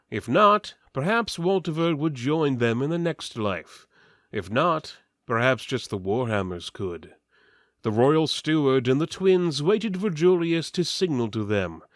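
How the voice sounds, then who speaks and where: Guy doing a dramatic fantasy audiobook read, super animated but deadpan serious, dry close sound. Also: on the high side, unhurried, no echo. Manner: theatrical, deadpan delivery of absurd lines. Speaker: narrator. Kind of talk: mock-serious dramatic reading of fantasy fiction.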